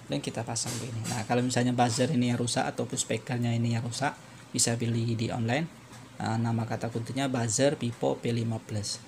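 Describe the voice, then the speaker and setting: Flat-toned man with gravelly creak. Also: mid-range voice, slight background noise. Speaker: phone repair tutorial presenter. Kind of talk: unscripted step-by-step tutorial narration.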